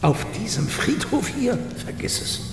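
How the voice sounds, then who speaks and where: An actor playing a sarcastic, reluctant sidekick in a horror audio drama, grumbling wryly. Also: male voice, high-pitched, sing-song, a little slow, creaky, over music, full character voice. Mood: uneasy, sarcastic. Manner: wry, grumbling. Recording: echoey room with loud background noise.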